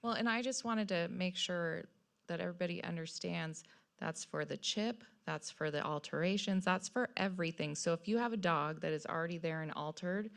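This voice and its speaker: A woman's voice: on the low side, gravelly. A woman council member explaining her position at a public meeting.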